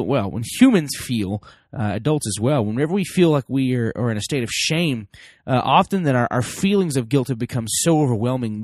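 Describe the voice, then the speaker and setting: A man's voice: medium pitch, a little mellow, no echo, clean studio sound. A man hosting a solo parenting podcast, sounding a little stuffy from a cold, talking casually with frequent fillers. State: stuffy nose. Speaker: podcast host.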